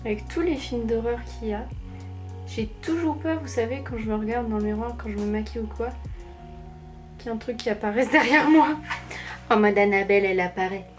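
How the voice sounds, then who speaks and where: A woman's voice: on the high side, fairly quick. Chatty young woman doing a makeup tutorial. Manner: chatty, rambling, many fillers. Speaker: beauty vlogger. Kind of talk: casual makeup tutorial chat. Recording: faint background music.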